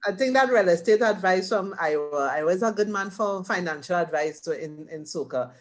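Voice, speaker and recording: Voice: medium pitch, lively intonation, a little fast. A podcast co-host chatting casually and easily with a guest. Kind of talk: casual interview chat.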